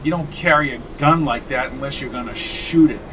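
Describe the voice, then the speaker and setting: A man's voice: medium pitch, a little fast, a bit bright, far from the mic, slight background noise, lightly acted. A man voicing a tough male private investigator who talks dry and clipped.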